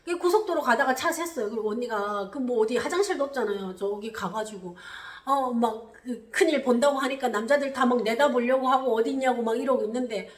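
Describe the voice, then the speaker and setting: High-voiced woman telling a story. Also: a little fast, hardly any pauses, reverberant. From North Korea. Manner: animated, re-enacts quotes with loud high bursts. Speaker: channel host. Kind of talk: personal storytelling.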